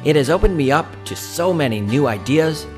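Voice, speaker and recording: Lively man voicing a promo over guitar. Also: on the high side, fairly quick. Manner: upbeat, scripted.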